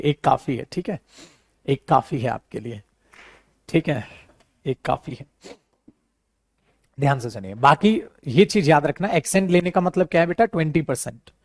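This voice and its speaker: A man's voice: fairly high pitch, dry recording, clean studio sound. A man teaching a live spoken English class, chatty and repetitive, calling his students "beta". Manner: addresses students as beta, repeats himself, chatty and animated.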